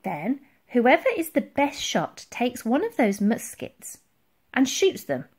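Woman as a plucky, high-voiced young girl. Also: sing-song, slow pace, darkish tone, slightly rough, heavily acted. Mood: determined. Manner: eager, insistent. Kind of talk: children's storybook character voice.

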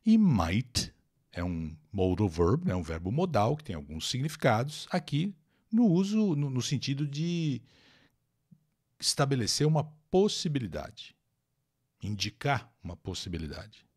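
A man with a Brazilian accent teaches English in a live online lesson, reading a text aloud, translating it and explaining pronunciation. His medium-pitched voice is sing-song, unhurried, darkish and slightly rough, and he chats with viewers, addressing them directly.

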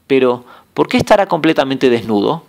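Male audiobook narrator, mid-pitched, steady measured storytelling reads. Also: creaky.

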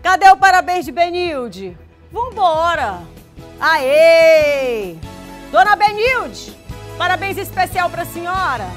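A high-pitched woman presents live regional TV news, speaking into a studio lapel mic. She is chatty and direct with viewers, checking in with quick "tá?" tags and reading their messages back warmly, while faint music plays underneath. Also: expressive. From Maranhão, Brazil. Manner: reads viewer messages aloud, greeting them warmly by name.

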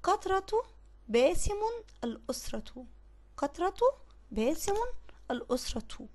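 A woman teacher with an Egyptian Arabic accent, talking through a children's reading lesson, asking questions and answering them herself, repeating words slowly. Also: high voice, animated, darkish tone. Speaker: primary school Arabic teacher. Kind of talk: recorded classroom lesson explaining a reading text.

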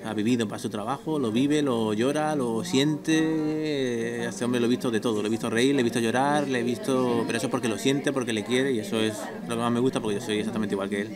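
A man's voice: mid-range voice, steady tone, quick pace, over music. A man in his thirties, the restaurant's host, talking enthusiastically into a handheld mic in a dining room. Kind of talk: casual interview. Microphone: handheld interviewer mic. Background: diners' chatter.

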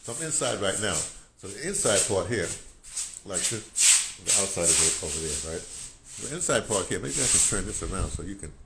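A man's voice: low voice, very animated, a little fast. Older man rambling into his phone. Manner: rambling, repeats words, gestures while explaining. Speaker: vlogger on audio drama. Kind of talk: casual walk-and-talk vlog. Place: small home, then sunny patio outdoors. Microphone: phone camera held at arm's length. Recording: phone recording with clear background noise.

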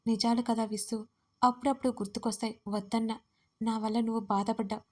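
A remorseful young woman pours out her feelings in soft, tearful tones, read by a female storyteller. Her voice sits fairly high. It keeps a narrow, steady melody. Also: brisk, close to an everyday voice. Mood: heartfelt. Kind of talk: audio story reading.

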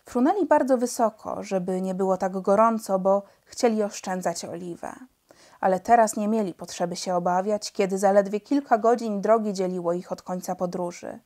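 A woman reading a classic children's novel aloud at a measured pace. Her telling is expressive, with a mid-range voice that stays plain and clear. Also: mid-range voice. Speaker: audiobook narrator.

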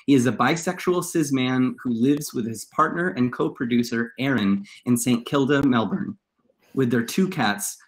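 Male moderator, thirties, medium pitch, presenting to a panel over a video call. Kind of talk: reading scripted introductions, moderating a panel.

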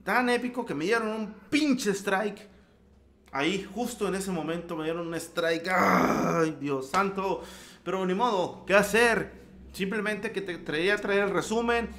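A man with a Mexican accent giving an excited, slangy anime recap full of sound effects. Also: high voice, measured pace. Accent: Mexican Spanish. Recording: roomy echo.

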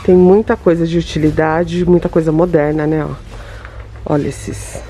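A woman's voice: deep voice, flat delivery, normal speed, warm tone, slight background noise. Gushing woman touring a home store. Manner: enthusiastic, gushing over items, chatty asides to viewers. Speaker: home decor vlogger. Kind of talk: store tour vlog, showing products. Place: inside a large home goods store.

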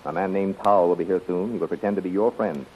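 An actor playing a strong, smooth-talking servant, earnest and courtly, in a 1930s radio style. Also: male voice, sits low, fast, lightly acted. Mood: secretive, urgent. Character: powerfully built, smooth-talking, scheming male servant. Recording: muffled, hissy 1930s radio recording.

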